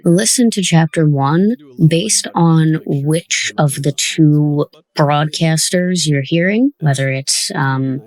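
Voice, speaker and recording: Gravelly, creaky host in casual commentary. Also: mid-range voice, takes it slowly, hardly any pauses, a little mellow. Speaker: host and audio drama creator.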